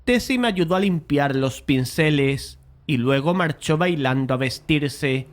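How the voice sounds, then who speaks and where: A man playing a polite, easily frustrated painter who narrates a dramatized horror audiobook in a measured, literary way. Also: fairly high pitch, lively intonation. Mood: measured, uneasy.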